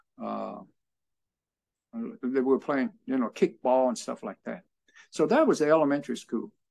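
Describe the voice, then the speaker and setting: A man with a southern Chinese accent and long, frequent pauses. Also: moderate pace. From Houston, Texas. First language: Taishanese Chinese. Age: 70s. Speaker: oral history interviewee. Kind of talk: oral history interview. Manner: halting, many fillers and restarts.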